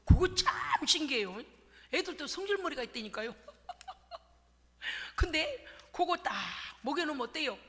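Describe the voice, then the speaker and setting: A woman's voice: high voice, measured pace, pauses often. A woman pastor giving a sermon, telling stories with humor and acting out little scenes. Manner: lively, humorous storytelling with acted-out asides. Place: church sanctuary. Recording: reverberant church hall.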